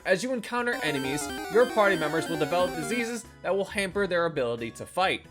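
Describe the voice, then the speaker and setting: Animated game reviewer over faint music. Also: medium pitch. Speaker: video game reviewer, channel host. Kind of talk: scripted review narration. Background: faint background music.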